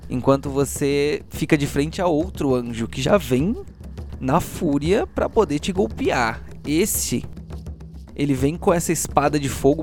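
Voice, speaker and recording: A man's voice: mid-range voice, a little mellow. A man with a Brazilian accent improvising narration as game master, describing action step by step and checking back with players.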